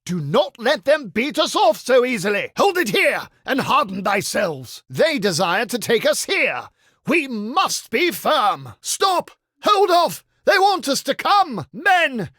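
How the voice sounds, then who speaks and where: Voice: high-pitched, very animated, slow, sharp tone, slightly rough, dry recording, studio quality, heavily acted. An actor playing a pompous, foppish medieval knight in a video game, speaking in florid, exaggeratedly courtly mock-archaic phrases. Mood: resolute, urgent.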